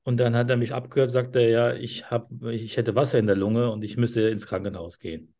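Man as a seventy-year-old male patient, hesitant, rambling, mid-pitched voice. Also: little pitch movement, fairly quick, dark tone, close to an everyday voice. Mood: explaining. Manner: hesitant, many fillers, rambling explanations. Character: elderly male patient, short of breath, chatty. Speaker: role-play patient in a medical exam practice. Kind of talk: simulated doctor-patient interview.

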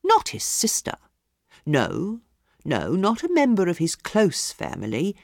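A woman voicing a sly, nervous older male palmist who speaks low and evasively. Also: huge pitch swings, a little slow, gravelly, no echo, studio quality, full character voice.

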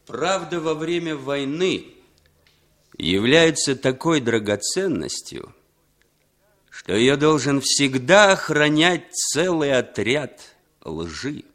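A man's voice: medium pitch, very animated, takes it slowly, fairly bright tone. A man playing a cool, cynical male American agent in a 1960s radio play, speaking laconically with wry humor. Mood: measured.

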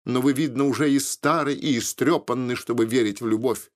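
A man's voice: medium pitch, a little fast, lightly acted. A man voicing a capricious young woman who pleads, reproaches and cries out in tears. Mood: tearful.

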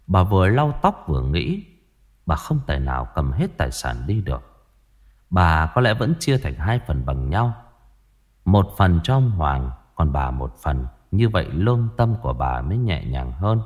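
Husky low-voiced male storyteller. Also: big pitch swings, normal speed, darkish tone, dull audio. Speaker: narrator. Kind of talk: ghost story narration.

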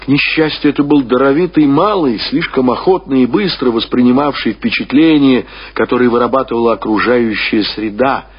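A man reading classic literary prose as a radio narrator, in a measured, expressive storytelling manner with deliberate phrasing. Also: medium pitch, slightly rough. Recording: dull lo-fi radio recording.

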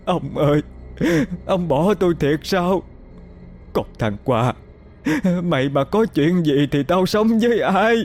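A grieving, sharp-tongued older mother in an audio horror story, put on by a man. She wails and scolds in a high, strained voice. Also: lively intonation, takes it slowly. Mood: frantic wailing. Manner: wailing, shrill.

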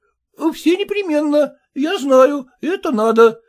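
A man's voice: extremely high pitch, expressive, takes it slowly, voice pushed up, full character voice. A man voicing a fussy, stingy, servile male clerk who mutters and answers deferentially to his father-in-law. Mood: fawning.

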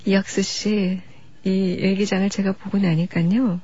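Soft-spoken female radio DJ, lo-fi. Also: medium pitch, little pitch movement, husky. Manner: soft-spoken, unhurried, reads listener letters gently. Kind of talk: late-night radio music show talk. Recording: dull lo-fi radio broadcast archive.

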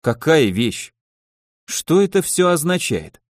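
A man's voice: a little high, big pitch swings, slow pace, no echo, studio quality. A man reading the part of a dazed, hungover office worker, puzzled and caught off guard. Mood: bewildered. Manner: puzzled, taken aback.

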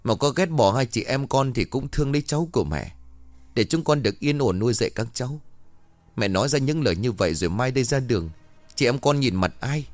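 A man's voice: medium pitch, animated, brisk, dry recording, voice pushed up, close to an everyday voice. A man voicing a tearful widowed daughter-in-law in a ghost story, pleading with her mother-in-law.

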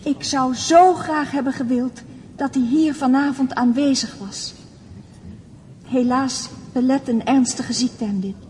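An actress playing an earnest, grateful blind young musician, giving a formal, measured speech in a radio play. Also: female voice, high-pitched, a little mellow. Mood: earnest, solemn. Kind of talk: Dutch radio drama acting, addressing a concert audience. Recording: reverberant hall, faint crowd and noise.

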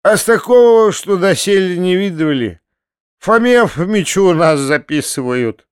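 A shabby, half-drunk carpenter with a thin, rattling voice that sits high above the reader's own, drawling in a slow, mournful way with a spiteful edge, as a male audiobook reader puts him on. The sound is dry and close, with no room around it. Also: expressive, smooth, no echo. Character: drunken ragged middle-aged male carpenter.

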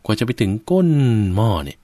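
A man's voice: fairly quick, dark tone, dry recording. A man giving a Buddhist sermon, addressing his listeners directly and explaining with everyday examples. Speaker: Buddhist preacher.

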